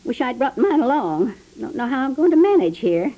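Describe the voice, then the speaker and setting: An actress playing an older, old-fashioned small-town aunt who grumbles indignantly in a 1950s radio comedy. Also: female voice, high voice, big pitch swings, a little fast, mellow, low-quality recording. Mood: grumbling.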